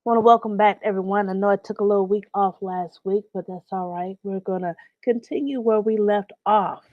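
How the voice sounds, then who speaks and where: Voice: mid-range voice, dry recording, highs cut off. A host of a live online business series, slightly nasal from getting over a cold, teaching in a conversational way and greeting viewers in the chat by name. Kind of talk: live-streamed business lesson.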